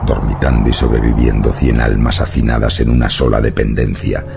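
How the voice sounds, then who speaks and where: A man narrating a horror audiobook in a gravelly voice, with slow, ominous, dramatic delivery. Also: very deep voice, little pitch movement.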